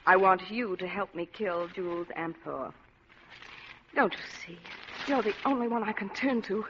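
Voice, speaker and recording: Actress as a scheming femme fatale, breathy, bright, pleading, dull old radio. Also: female voice, mid-range voice, moderate pace, a little hiss or hum, close to an everyday voice. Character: scheming seductive society woman, desperate femme fatale. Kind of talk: 1940s radio acting.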